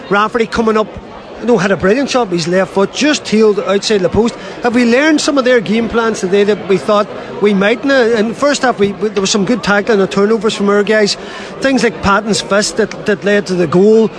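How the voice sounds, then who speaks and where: A man hosts a sports interview. His voice is high for a man and he moves along very quickly, putting questions and comments in a conversational way. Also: crowd noise. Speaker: interviewer and host.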